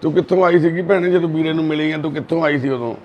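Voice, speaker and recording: A man doing social service on a live video, gently soothing a frightened girl and repeating his reassurances. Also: on the high side, racing, dull audio, a little hiss or hum. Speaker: social worker helping a lost girl.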